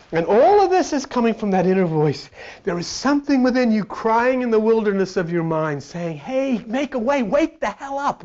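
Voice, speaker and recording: A man delivers a blunt, fiery sermon in a high, lively voice. He swings from hushed asides to loud calls. The recording is dull and lo-fi. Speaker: spiritual teacher. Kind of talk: sermon-style lecture.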